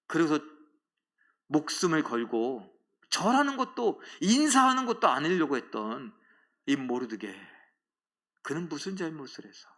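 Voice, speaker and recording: A male pastor preaching a sermon in a church, acting out quoted taunts with loud outbursts and dropping to a hush for emphasis. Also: a little high, very animated, unhurried, long pauses. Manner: dramatic, acts out quoted taunts and cries with sudden loud rises; drops to a hushed, soft voice for emphasis. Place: church sanctuary.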